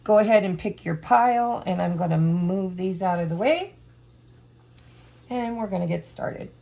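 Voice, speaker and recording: A woman doing a casual tarot reading to camera, hoarse from allergies, chatty and meandering as she thinks aloud. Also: mid-range voice, lively intonation, moderate pace, dark tone. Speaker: tarot reader.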